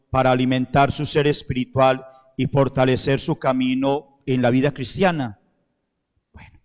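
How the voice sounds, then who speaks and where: A middle-aged man, a Catholic priest, leading prayers at the altar in slow, measured, solemn phrases into a handheld mic. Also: medium pitch. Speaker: Catholic priest celebrating Mass. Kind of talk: liturgical prayer and renewal of baptismal promises. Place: church sanctuary, at the altar. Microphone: handheld microphone. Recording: piano music under the voice. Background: soft piano music.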